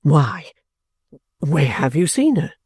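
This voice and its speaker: Male reader playing an impatient young lover in a storybook, eager, warm dark tone. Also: on the high side, huge pitch swings, breathy edge, no echo, studio quality, exaggerated voice. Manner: eager, rapid questioning.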